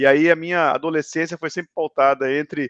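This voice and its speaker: A man with a fairly high voice talks at a fairly quick pace with fairly even intonation, an unremarkable speaking voice. The sound is dry and close, with no echo. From interior of Rio de Janeiro state, Brazil. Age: 40s. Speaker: tech speaker and author. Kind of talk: conference talk in a live-streamed chat.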